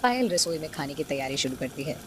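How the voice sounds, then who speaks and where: A woman narrating a family story for a cartoon in a steady storytelling manner. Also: sits low, fast, noisy background.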